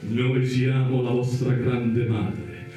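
An actor playing a greedy, sanctimonious Catholic priest in a satirical radio play, preaching, wheedling and scolding with pompous theatricality. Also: male voice, mid-range voice, little pitch movement, slow, mellow, close to an everyday voice. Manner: pompous, wheedling, chanting and exclaiming. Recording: very echoey, distant, music behind.

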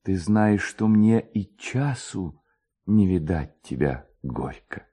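A man's voice: deep voice, animated, slow, mellow, breathy edge, heavily acted. A man voicing an ardent, proud young Cossack lad, pleading with theatrical tenderness in a storybook reading. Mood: tender.

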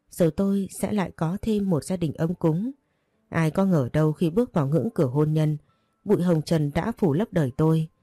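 Woman reading a story out loud, low mellow voice, dry close sound. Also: no room sound. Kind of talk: scripted first-person story narration.

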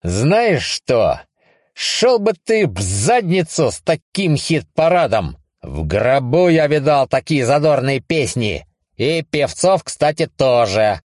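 A man's voice: medium pitch, sing-song, slow pace, darkish tone, no echo, clean studio sound, voice pushed up. A man reading a story aloud, voicing an irritable, hungover man who swears and snaps sarcastically. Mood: exasperated. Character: irritable hungover man woken at night, foul-mouthed. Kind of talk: audiobook reading.

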